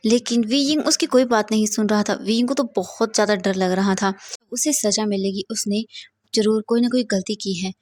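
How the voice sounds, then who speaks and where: A young woman retelling her own fan story aloud in a plain storytelling manner, often pausing on fillers. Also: medium pitch, darkish tone, no echo. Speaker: fanfiction narrator.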